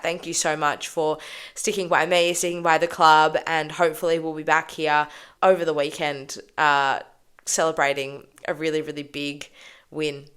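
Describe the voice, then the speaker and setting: A woman's voice: low voice, clean tone. An Australian woman hosting a fan show, talking casually, nasal and congested from a cold, with frequent ums. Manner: warm, grateful, many ums. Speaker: fan channel host.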